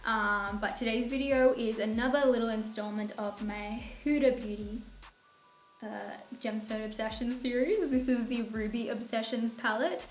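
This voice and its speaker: A woman in her twenties with a husky voice, chatting casually and rambling cheerfully as a beauty vlogger in a small white room at home. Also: a little high, normal speed, reverberant, soft background music. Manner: bubbly, rambling, self-mocking with laughs. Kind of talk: casual chatty makeup tutorial.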